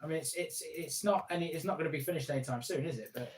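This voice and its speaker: A man's voice: a little high, quick pace, breathy edge. A man chatting as co-host, dry and self-deprecating, teasing and joking. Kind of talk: casual chat.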